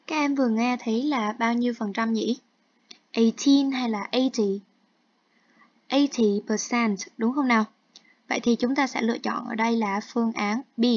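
Teaching online, this woman explains each textbook exercise step by step and moves back and forth between Vietnamese and English terminology. She speaks with a fairly high pitch. The audio is dry, dull and lo-fi, without any room sound.

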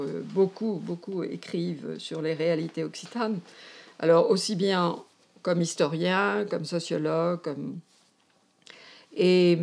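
An older Parisian woman in her seventies or beyond, a retired anthropology professor, looks back on her academic career while seated in a domestic room for a filmed interview. Her voice sits lowish with vocal fry and a slightly mellow quality, and she hesitates as she searches for words.

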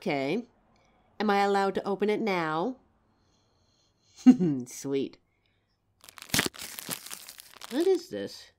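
A woman's voice: medium pitch, lively intonation, slow, very noisy. A young woman voicing an anxious, protective female werewolf who stammers and sighs as she talks to her partner. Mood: delighted. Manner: hesitant, stammering, sighing often. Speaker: voice actor in audio roleplay. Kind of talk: audio roleplay for a listener.

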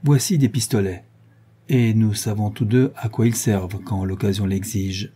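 A man reading an audiobook, voicing a young gentleman detective who lays out his reasoning in a calm, measured, lecturing way. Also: on the low side, husky. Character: young male gentleman detective, cool and methodical.

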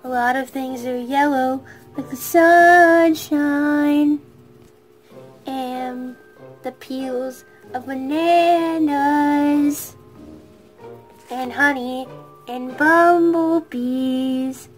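A woman's voice: high-pitched, fairly even intonation, very slow, soft background music. A woman doing a patient scolding teacher. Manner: stern but gentle.

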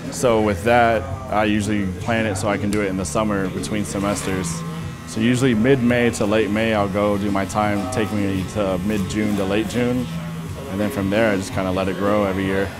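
A man's voice: lowish voice, flat delivery, fairly quick. A man chatting easygoingly in a barbershop chair about his haircut plans, rambling a little. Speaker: barbershop client. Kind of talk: casual chat. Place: barbershop, indoors. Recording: music playing behind.

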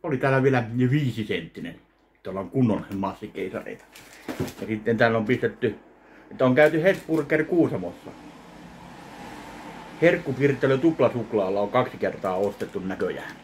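A man in his thirties opening fan mail in his kitchen in a casual vlog, commenting slowly with wry self-mockery into a webcam. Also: lowish voice, lively intonation, a little hiss or hum. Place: home kitchen, indoors. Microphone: webcam in front of him.

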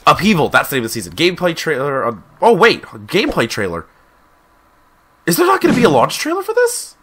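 A man's voice: fairly high pitch, wildly swooping pitch, fairly quick, fairly bright tone, a little hiss or hum. Chatty young man getting over a cold. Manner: chatty, enthusiastic, uses lots of fillers. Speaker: YouTube reaction host. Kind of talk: casual reaction commentary. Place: small home studio room. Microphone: gaming headset.

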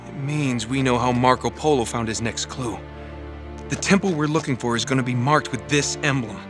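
A man's voice: medium pitch, moderate pace, close to an everyday voice. An American actor playing a roguish, wry male adventurer in his thirties in a video game, speaking casually and flippantly. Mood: playful, confident. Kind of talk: cinematic video game dialogue. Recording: game soundtrack music underneath.

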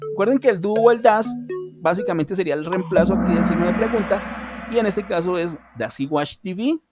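A man with a Colombian Spanish accent teaches an English class online, patiently explaining step by step and often asking "¿sí?" to check on students. His voice is high with a darkish tone, recorded dry with clean studio sound.

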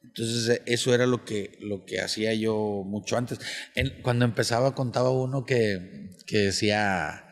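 On a casual podcast, a man with a Mexican Spanish accent, a stand-up comic, tells long slangy jokes storytelling-style, voicing his characters loudly. He speaks at a normal speed with a fairly low pitch, and the sound trails off in long reverb.

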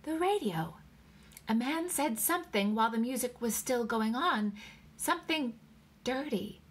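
Woman acting high, excitable curious wife. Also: a little slow. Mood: puzzled. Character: excitable young wife, curious and anxious eavesdropper. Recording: clear background noise.

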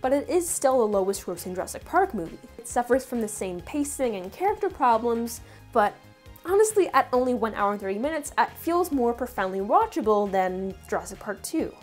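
A woman's voice: on the high side, big pitch swings, brisk, a little mellow, faint music behind. A woman narrating a film commentary video essay in a wry, sarcastic manner.

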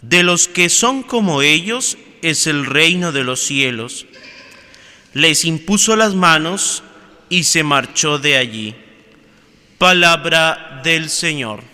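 Slow-preaching priest in a reverberant church. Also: male voice, fairly high pitch, expressive, pushed and bright. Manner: slow, measured preaching with pauses. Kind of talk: Mass gospel reading and homily. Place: large church.

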